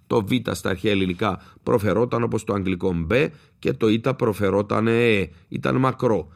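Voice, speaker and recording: A man, a linguist, giving a scripted educational talk in a measured, explanatory way, spelling out letters slowly. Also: mid-range voice, vocal fry.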